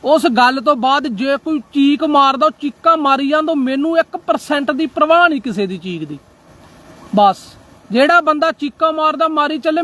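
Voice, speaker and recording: Young man, Punjabi accent, very high voice, casual livestream talk, preachy, quotes scripture, seeks agreement. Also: bright, forceful tone. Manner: preachy, quotes scripture, keeps asking "right?". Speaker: social media livestreamer. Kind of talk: casual livestream address to viewers.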